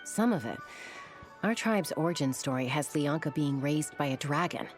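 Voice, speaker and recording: A low-voiced tribal woman in a video game. She tells her people's lore evenly and steadily, with faint music underneath. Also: lively intonation, normal speed. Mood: solemn, recounting. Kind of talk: video game dialogue, storytelling.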